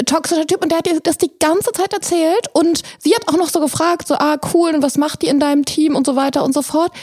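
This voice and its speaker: A woman with an extremely high pitch speaks with ordinary pitch variation and very even loudness. There are hardly any pauses, and background noise is noticeable. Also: fairly quick pace, dry, close sound with no echo. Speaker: co-host, relationship expert. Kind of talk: casual chat.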